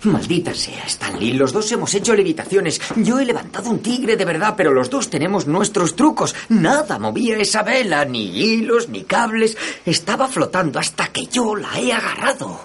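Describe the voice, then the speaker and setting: An actor playing an earnest, astonished stage magician with a flustered manner, in a film dub. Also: male voice, sits high, sing-song, normal speed, fairly bright tone, slight background noise. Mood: baffled.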